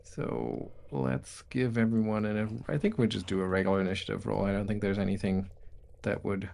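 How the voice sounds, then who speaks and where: A man acting as game master, narrating a tabletop game in a relaxed way and thinking aloud as he checks dice rolls over an online call. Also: fairly low pitch, moderate pace, vocal fry.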